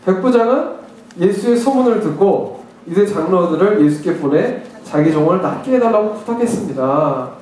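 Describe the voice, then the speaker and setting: A high-pitched man preaches with swooping, lively intonation, jumping between hushed asides and excited acted-out prayers. His voice rings through a very echoey church hall, picked up from some distance away. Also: moderate pace. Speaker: pastor. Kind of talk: sermon. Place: church sanctuary.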